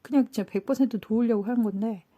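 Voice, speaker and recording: A woman telling a personal story in a casual, animated way, acting out what people said. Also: a little high, fast, dull audio. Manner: animated, acts out quoted dialogue. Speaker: channel host telling a story.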